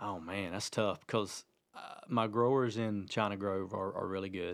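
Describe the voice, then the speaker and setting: In a normal speaking voice with an American accent, a man talks at a moderate pace and fairly low pitch with fairly even intonation on a very clean recording with a silent background. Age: 40s. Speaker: farmers market owner. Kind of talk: radio interview. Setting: radio studio.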